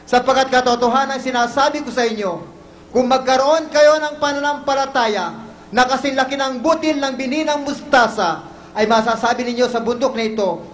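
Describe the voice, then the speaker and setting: A Filipino man reads scripture aloud slowly and with care, in a very high voice. Faint noise sits behind him. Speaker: scripture reader.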